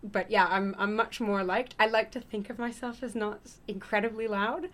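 A woman chats as a podcast guest, casual and talkative, with ums along the way. Her pitch sits in the middle. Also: fairly even intonation, moderate pace, a bit bright, slight background noise. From Canada. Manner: chatty, with fillers. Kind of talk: casual panel chat.

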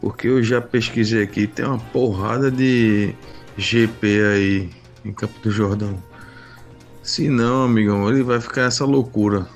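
A man's voice: fairly low pitch, steady tone, normal speed, soft background music. A man sending a blunt, cursing voice message to the show.

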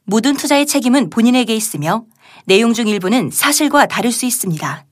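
A woman's voice: on the high side, animated, a little fast. A woman reading a disclaimer as scripted narration.

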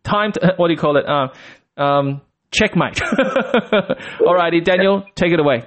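Chatty, upbeat interview host. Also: male voice, fairly high pitch, a little slow. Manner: chatty and upbeat, stammering restarts, laughs easily. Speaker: podcast host. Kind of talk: casual interview chat.

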